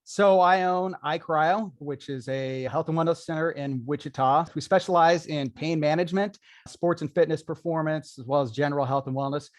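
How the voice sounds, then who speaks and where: Male guest, higher-pitched, eager and promotional, clean dry recording. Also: dry recording. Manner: upbeat, promotional, brisk explanations. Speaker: business owner guest. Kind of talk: interview answers.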